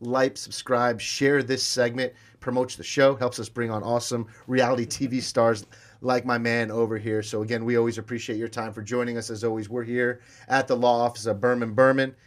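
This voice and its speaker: A man's voice: medium pitch, little pitch movement, a little fast. A man with a mid-range voice hosts a podcast interview in a studio. He is upbeat, hyping up his guest and reading out sign-off calls to viewers. He speaks into a desk mic. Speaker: podcast host. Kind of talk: casual interview chat. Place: podcast studio with gold wall.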